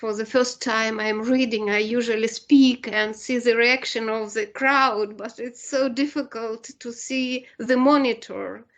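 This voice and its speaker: In a Russian accent, a woman speaks at a fairly slow pace with a high pitch and fairly even intonation. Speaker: linguistics researcher. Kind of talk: Q&A after online lecture. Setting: video call. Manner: hesitant, many fillers.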